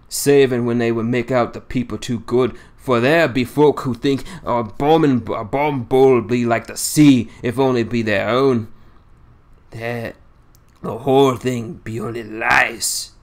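Old sailor, scornful and grumbling, broad dialect, as an audiobook reader puts him on. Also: male voice, mid-range voice, natural voice. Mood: mocking. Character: boastful grumbling old male Yorkshire seaman. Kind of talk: audiobook reading.

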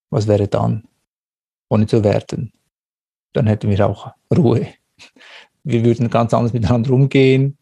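Guy hosting a podcast, gravelly and kinda husky, dry close sound, thinks out loud. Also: medium pitch, no echo. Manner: searching, repeats words while thinking. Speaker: podcast host. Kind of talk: reflective conversation.

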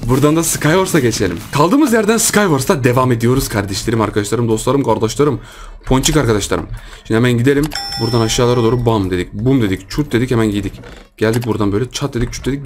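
An excitable man chatters through a Minecraft let's-play, repeating words and teasing the other players. His voice sits in a middle pitch, and faint music runs quietly under the commentary. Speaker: gaming YouTuber.

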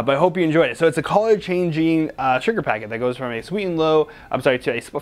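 A young man hosting a magic product review, chatty and joking, rambling with lots of restarts and fillers. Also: medium pitch.

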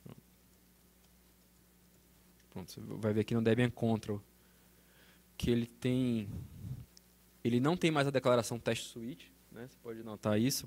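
A man's voice: mid-range voice, darkish tone. Brazilian man giving a technical talk. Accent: Brazilian Portuguese. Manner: explanatory, frequent "tá?" check-ins and restarts. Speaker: conference speaker. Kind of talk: technical talk with live demo. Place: conference auditorium stage. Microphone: handheld then podium microphone.

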